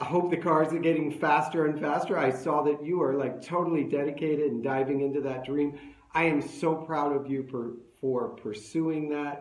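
With an American accent, a man speaks at a moderate pace and a fairly high pitch. His intonation stays fairly even, and audible room echo surrounds him. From Minnesota. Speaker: life coach and livestream host; life coach, livestream host. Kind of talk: live stream interview chat. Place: home room. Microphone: phone near.

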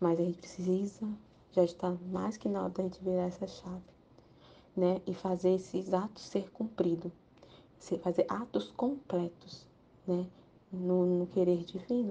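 A woman's somewhat breathy, dark and mellow voice at medium pitch, fairly slow with fairly even intonation and long, frequent pauses. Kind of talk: prayer and devotional discussion.

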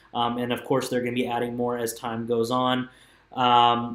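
A man at a moderate pace and medium pitch, with audible room echo. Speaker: crypto YouTuber reviewing hardware wallets. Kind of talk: product review video. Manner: halting, many filler words. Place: home room. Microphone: webcam.

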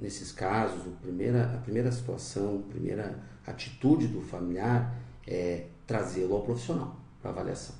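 A man with a fairly low pitch and a dark, mellow tone speaks with vocal fry and very wide pitch swings. Audible room echo surrounds his voice. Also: moderate pace. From southern Brazil, raised in Lages, Santa Catarina; Santa Catarina, Brazil. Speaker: psychiatrist; guest. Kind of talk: TV interview. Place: studio.

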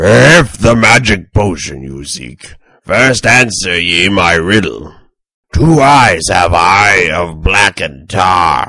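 A man puts on a raspy character voice with a very deep, low pitch. He speaks at a very slow pace. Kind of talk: mock-archaic riddling verse.

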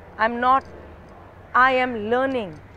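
Over noticeable background noise, a woman with a high pitch speaks in an animated tone. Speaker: yoga practitioner. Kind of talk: interview. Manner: animated, conversational.

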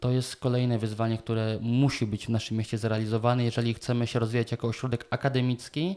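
A man's medium-pitched voice, dark and mellow in tone, monotone and flat, over a quiet background. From Poland, Radom; Poland. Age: 30s. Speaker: political candidate; council candidate. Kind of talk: interview. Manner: halting. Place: home room. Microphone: studio mic.

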